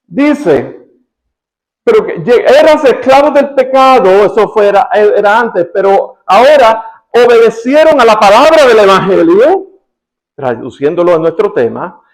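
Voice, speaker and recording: A man with a Cuban accent preaching a sermon, shifting between soft quoted passages and emphatic rising questions. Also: high voice, sing-song, unhurried, low-quality recording. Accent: Cuban Spanish. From Cuba. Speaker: pastor.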